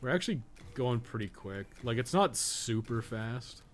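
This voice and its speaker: A man's voice: mid-range voice, expressive, normal speed, soft background music. A man giving casual live gameplay commentary, rambling and thinking aloud with casual swearing. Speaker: game streamer and podcast co-host.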